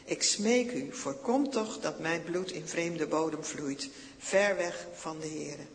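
A man voicing the young warrior David, earnest and calling out loudly. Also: on the high side, slow, gravelly, long reverb tail. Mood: pleading.

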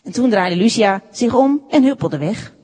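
A woman reads a children's storybook aloud, slow and expressive, her voice on the higher side and rising and falling a lot. The tone is slightly breathy, and a long reverb trails behind each phrase. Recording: echoey room with long reverb.

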